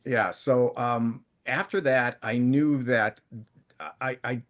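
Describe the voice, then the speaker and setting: He speaks slowly and steadily at a medium pitch: a man in his fifties, a plant-based food entrepreneur appearing as a panel guest. His casual storytelling rambles, with frequent restarts and self-corrections.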